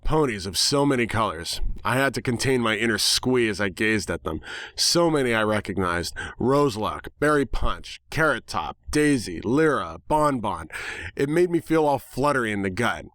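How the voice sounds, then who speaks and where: A man reads a first-person story as a dramatic narrator. His delivery is animated and wry, with sarcastic turns and very varied pitch. The recording is dry, without room echo. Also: normal speed.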